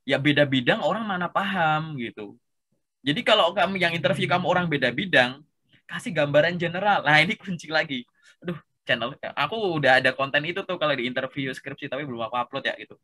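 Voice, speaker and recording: A man's voice: fairly high pitch, fast talker, sharp tone. A man casually coaching a job seeker over a video call, chatty and explanatory, with lots of filler tags. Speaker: career coach.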